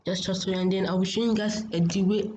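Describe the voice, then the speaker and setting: A woman giving a casual software tutorial in a hesitant, repetitive, halting way, as a host. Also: mid-range voice, fairly even intonation. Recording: muffled, noisy home screen recording.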